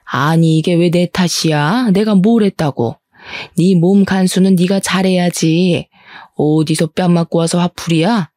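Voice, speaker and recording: A woman voicing a cold, scornful older mother-in-law who scolds slowly and with contempt. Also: darkish tone, no room sound, studio quality, lightly acted. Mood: hostile. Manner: slow, low, contemptuous scolding.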